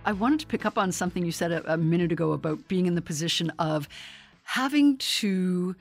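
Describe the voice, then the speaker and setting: A woman hosting a radio interview, asking gentle, searching questions. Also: lowish voice, lively intonation, brisk, creaky, soft background music. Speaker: radio host. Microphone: studio microphone.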